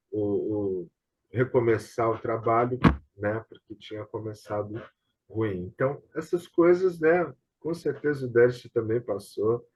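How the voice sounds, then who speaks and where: Man, Brazilian Portuguese accent, mid-pitched, rambling anecdotal chat, tag questions, dull lo-fi video call sound. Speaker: host of an online tribute talk. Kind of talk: casual conversation.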